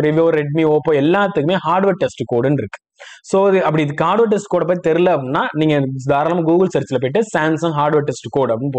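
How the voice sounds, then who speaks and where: A man with a fairly high voice speaks very quickly as an instructor. He explains things step by step, pausing to check that the listener follows. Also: darkish tone. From India. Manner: explanatory, checks understanding with short questions. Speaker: phone repair instructor. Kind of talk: spoken tutorial, step-by-step explanation.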